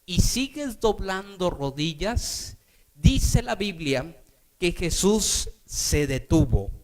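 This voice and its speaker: A male Catholic preacher giving a sermon, speaking emphatically and calling for responses from the congregation. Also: sits high.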